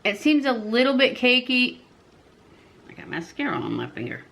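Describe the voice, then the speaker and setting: A woman's voice: on the high side, sing-song, normal speed, vocal fry, fairly bright tone. A woman in her fifties giving a casual, chatty makeup review to camera. She rambles a little and corrects herself as she goes. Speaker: beauty vlogger.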